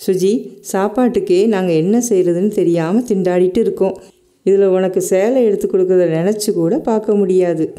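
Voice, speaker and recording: A middle-aged woman plays a mother struggling with money in a radio drama. She speaks in a pleading, practical way, with a very dark, mellow tone and a mid-range pitch. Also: fairly even intonation, fairly quick, lightly acted. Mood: strained.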